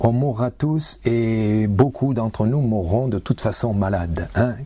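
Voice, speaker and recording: At a very slow pace, a man speaks with a medium pitch, a dark, mellow tone and ordinary pitch variation. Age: 70s. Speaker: health and fasting author, video blogger. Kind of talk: monologue to camera. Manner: hesitant, many repetitions.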